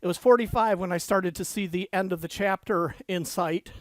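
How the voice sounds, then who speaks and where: A man's voice: high-pitched, normal speed, no echo. A man dictating fiction aloud, speaking his punctuation, winded from walking on a treadmill desk. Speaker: author dictating a novel. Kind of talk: dictating fiction aloud, then casual chat.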